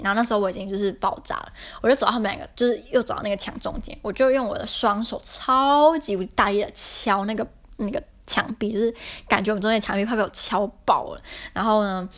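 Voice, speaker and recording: Young woman, brisk pace, exasperated, rambling, casual storytelling. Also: mid-range voice, fairly bright tone. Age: young adult. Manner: exasperated, rambling retelling with many fillers. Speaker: podcaster.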